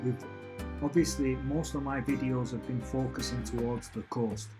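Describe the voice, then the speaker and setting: A man's voice: mid-range voice, fairly even intonation, normal speed, over music. A man hosting a casual live stream from home, chatting in a rambling, upbeat way and often restarting his sentences. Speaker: channel host answering live questions. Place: at home with family and a cat nearby.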